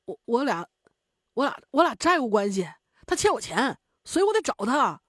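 A woman's voice: high voice, big pitch swings, no room sound, clean studio sound. A woman doing a stammering, panicky man. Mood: panicked. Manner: stammering, rushed, pleading.

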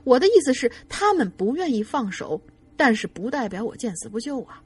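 A woman voicing a brisk, self-assured old village spirit medium of about seventy. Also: on the high side, sing-song, husky.

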